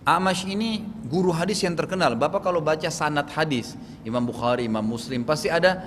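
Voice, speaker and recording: Indonesian preacher from Makassar in a reverberant hall. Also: male voice, on the high side, a little fast, fairly bright tone, a little hiss or hum. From South Sulawesi, Indonesia. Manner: explanatory, repeats "gitu kan?" to check understanding. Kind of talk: religious Q&A lecture.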